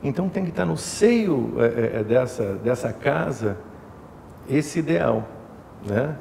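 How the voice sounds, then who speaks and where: Gravelly, mellow-voiced man from Rio. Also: medium pitch, animated, measured pace. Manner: thoughtful, many fillers and tag questions. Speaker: umbanda house leader, guest. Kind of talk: explanatory interview talk. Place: indoor temple room with altar. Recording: echoey room with faint hiss.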